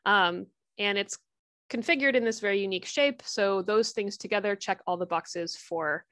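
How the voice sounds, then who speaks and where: A woman lecturing on histology in a chatty, informal way, tossing in jokey asides between explanations. Her voice sits at an ordinary middle pitch. The sound is dry and close, with no room around it. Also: normal speed, fairly bright tone, no echo. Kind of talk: recorded lecture.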